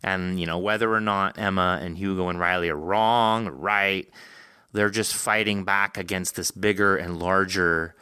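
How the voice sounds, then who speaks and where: A man hosting a casual interview, talking informally and thinking aloud in an animated way. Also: sits low, moderate pace, clear, resonant tone, dry recording, studio quality. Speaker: podcast host interviewing an author.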